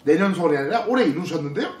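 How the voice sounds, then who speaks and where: A man's voice: fairly high pitch, animated, brisk, darkish tone. A man chatting casually as a panelist and announcing answers to the group. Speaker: talk show panelist. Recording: roomy, distant mic, faint noise.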